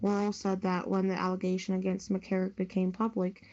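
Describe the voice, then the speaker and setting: A woman's voice: medium pitch, monotone, moderate pace, darkish tone, lo-fi sound. A woman reading written news stories aloud on a podcast. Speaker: news story reader.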